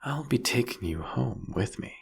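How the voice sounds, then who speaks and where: A man's voice: animated, moderate pace, a little hiss or hum. A man playing a seductive, possessive vampire king in an intimate audio roleplay, with a taunting, menacing, whispery delivery. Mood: seductive threat. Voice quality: husky, breathy, gravelly low voice.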